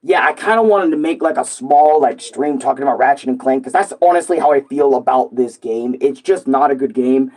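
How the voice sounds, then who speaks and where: A hoarse young gaming streamer rants loosely to his viewers, swearing and rambling with plenty of fillers. His voice sits at a medium pitch and is slightly mellow, and he talks a little fast with almost no pauses.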